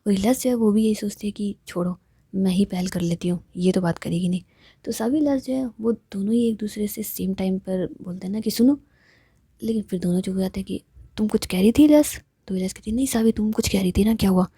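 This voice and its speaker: A woman narrates a love story in a soft, half-whispered way. Her voice is very dark and mellow, with a breathy, husky edge. The recording is completely dry and close. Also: medium pitch, quick pace, no echo.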